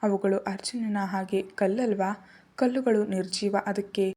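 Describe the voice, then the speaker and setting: A woman's voice: medium pitch, steady tone, unhurried, dark tone, close to an everyday voice. A woman reading the lines of a heartbroken young wife who pleads and asks anguished questions.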